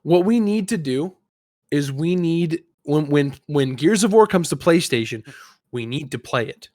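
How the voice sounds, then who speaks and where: A podcast co-host on a casual gaming show talks insistently, often repeating phrases to get his point in. His voice is a little high and expressive, with a measured pace and a darkish tone.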